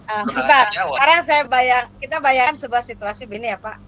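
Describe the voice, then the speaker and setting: A woman lecturer with a high voice leads a lively workshop for teachers. She keeps tossing questions at the audience and talks in a playful, animated way. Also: fairly quick, a loud crowd. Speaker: lecturer for teacher exam prep.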